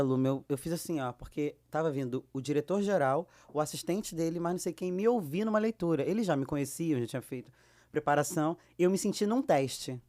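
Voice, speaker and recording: A Brazilian guest actress with a deep voice and a Brazilian Portuguese accent tells lively anecdotes in a casual storytelling style. She acts out the dialogue she quotes.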